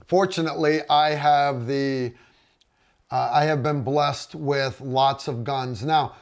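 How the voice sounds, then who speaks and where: A man's voice: medium pitch, fairly even intonation, slow pace. A middle-aged man hosting a casual livestream, reading viewer comments and rambling with frequent restarts. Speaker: livestream host.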